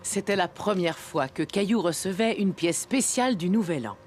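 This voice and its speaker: A woman's voice: on the low side, lively intonation, normal speed, over music, natural voice. A woman performing as a kindly storybook narrator for a French children's cartoon. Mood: storytelling.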